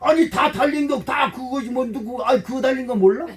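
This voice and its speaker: A man's voice: extremely high pitch, moderate pace, distant mic. A middle-aged man preaching a sermon as pastor, folksy and emotional, acting out little dialogues and making blunt jokes to the congregation. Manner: blunt, joking asides to the congregation. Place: church sanctuary.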